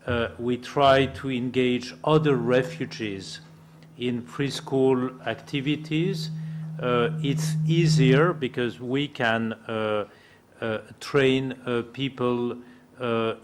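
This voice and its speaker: A man who works in refugee education, giving a halting, careful answer at a conference panel with many pauses. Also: medium pitch, steady tone, a little hiss or hum.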